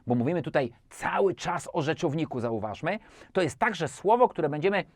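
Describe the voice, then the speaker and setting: Lively male tutor, dry close mic, English examples read slow and deliberate. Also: medium pitch, no room sound. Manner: slow, deliberate English example sentences between quick Polish explanations. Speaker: English teacher. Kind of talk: language lesson explaining word meanings.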